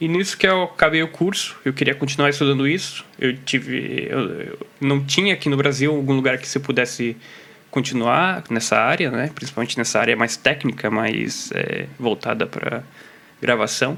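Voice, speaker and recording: A fairly high-pitched man with a Paraná accent, ordinary pitch variation and a moderate pace. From southern Brazil, Paraná. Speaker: podcast co-host, sound engineer. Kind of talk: casual interview chat. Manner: halting, many repetitions.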